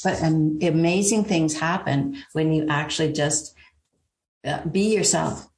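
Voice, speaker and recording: Woman branding coach chatting on a podcast, kinda low voice, lots of ums, roomy echo. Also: unhurried, a little mellow. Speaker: branding expert guest. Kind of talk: casual interview chat. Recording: echoey room.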